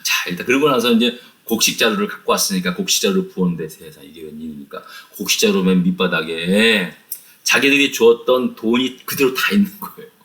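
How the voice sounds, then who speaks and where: Guy teaching bible study, bright punchy voice, keeps asking the room questions. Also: lowish voice, fast talker. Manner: animated storytelling with rhetorical questions; addresses listeners directly, often laughs.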